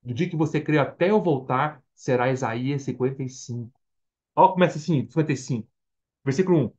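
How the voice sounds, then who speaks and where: With a Brazilian Portuguese accent, a man delivers an animated Bible study sermon, possibly in a church or online meeting. His mid-range voice moves fairly quickly as he asks the congregation questions and answers them himself, and the audio is dull.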